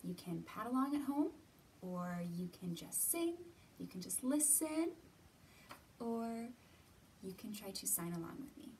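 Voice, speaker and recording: Slow-paced, high-voiced woman reading to children. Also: slight background noise. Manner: expressive, addressing children. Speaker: children's library storytime host. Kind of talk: read-aloud storytime for young children. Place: library room with bookshelves, indoors.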